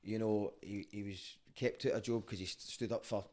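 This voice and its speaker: A man's voice: on the low side, steady tone, normal speed, darkish tone. A man with a Glaswegian street Scottish accent, chatting casually and telling stories in a candid, sweary, conversational way. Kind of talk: casual podcast chat and storytelling.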